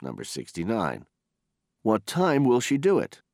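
A man reading scripted listening test instructions and questions in a formal, deliberate way. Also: fairly low pitch, huge pitch swings, creaky, darkish tone, no echo, clean studio sound.

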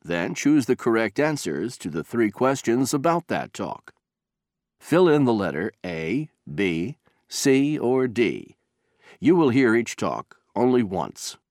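A man narrates a listening exam in a lowish voice. He reads instructions and numbered questions formally and deliberately, with strongly swooping intonation, recorded very dry. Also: a little mellow, dry recording. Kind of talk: scripted test instructions.

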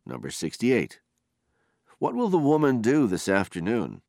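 A man reading scripted listening test instructions and questions in a formal, deliberate way. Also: on the low side, huge pitch swings, a little mellow, no room sound, clean studio sound.

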